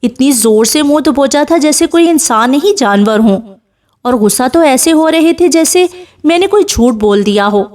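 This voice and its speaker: A timid, frightened young woman from an audiobook romance, pleading and protesting in a fairly high voice, read by a woman narrator. She sounds close to tears. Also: expressive, darkish tone, recorded from a distance. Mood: tearful, bitter. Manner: pleading, fearful.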